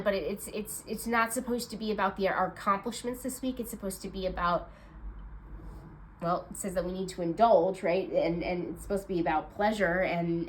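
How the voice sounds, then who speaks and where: A woman doing a casual card reading chat, with a stuffed-up nasal voice. She is bubbly and chatty, uses lots of fillers, and has bursts of excitement. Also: mid-range voice, slight background noise, rough recording. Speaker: intuitive card reader.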